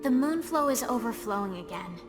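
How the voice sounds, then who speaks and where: A woman's voice: a little high, expressive, a little fast, natural voice. An actress playing a blunt, irked young woman envoy in a radio drama, confrontational and scornful. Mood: firm. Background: music.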